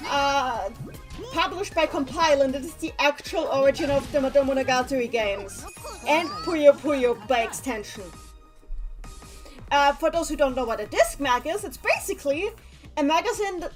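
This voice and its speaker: Woman streamer w a high voice, lively let's-play chatter, faint game music behind. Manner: animated, talks back to game characters, exclaims. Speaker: streamer playing a video game. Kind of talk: casual let's-play commentary.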